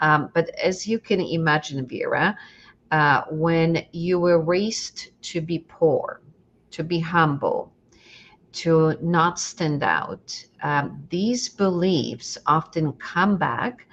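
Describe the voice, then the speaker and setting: A woman with a Polish accent, fairly low in pitch, at a very slow pace with ordinary pitch variation. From Poland. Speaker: business coach. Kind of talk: interview.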